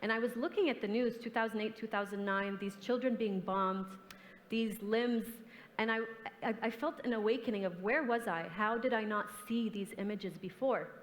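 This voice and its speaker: A young woman, an artist who grew up between the US and Canada, responds on a forum panel with a fairly high voice at normal speed. The stage mic in the big conference hall adds reverb and a faint hiss or hum, and her tone is earnest, thoughtful and impassioned.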